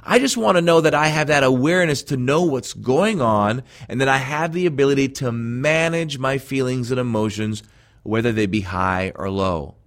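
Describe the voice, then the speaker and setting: A man's voice: medium pitch, moderate pace. Earnest man teaching a self-help program. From Jamaica. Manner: earnest, conversational, addresses listeners as friends.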